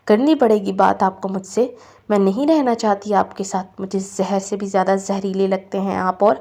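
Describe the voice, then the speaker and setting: A bitter, defiant young woman speaks her mind in a read-aloud novel, as a woman reader voices her. The delivery is level and flat. She sounds resentful and unyielding. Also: medium pitch, natural voice.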